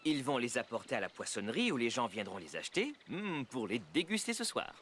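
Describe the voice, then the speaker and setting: A man's voice: medium pitch, big pitch swings, fairly quick, fairly bright tone, a little hiss or hum. A man voicing a kind, patient young father in a French children's cartoon dub. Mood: gentle, cheerful. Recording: music under the voice.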